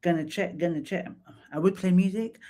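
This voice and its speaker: A woman's voice: fairly low pitch, fairly even intonation, fairly quick, mellow. Chatty woman hosting a livestream. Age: 30s. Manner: chatty, laughs easily, lots of fillers and repeats. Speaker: livestream host and psychotherapist. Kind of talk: casual livestream chat.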